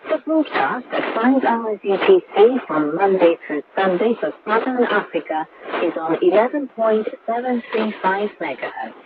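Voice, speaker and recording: A tinny, phone-thin shortwave signal buried in loud noise carries a woman newsreader. She delivers scripted bulletins and station announcements at a medium pitch. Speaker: news reader and station announcer. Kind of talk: scripted radio news reading. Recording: noisy, tinny shortwave radio reception.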